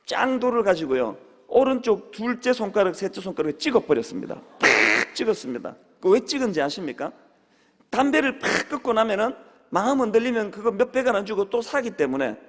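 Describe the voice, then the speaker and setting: A male pastor preaching a sermon, telling humorous stories with sudden shouted exclamations. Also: high voice. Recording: long hall reverb.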